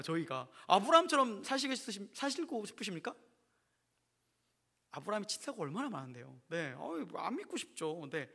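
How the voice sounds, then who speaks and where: A male pastor preaches in a church, his voice high, bright and forceful, his pitch rising and falling widely. He keeps asking the congregation questions and answers them himself. He moves between loud emphatic lines and hushed, almost whispered ones. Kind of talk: sermon. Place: church sanctuary.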